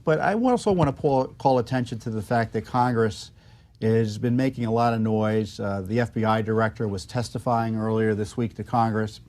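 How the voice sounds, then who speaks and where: A man with an American accent speaking off the cuff as a political commentator, measured and halting, making pointed arguments. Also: fairly low pitch, darkish tone.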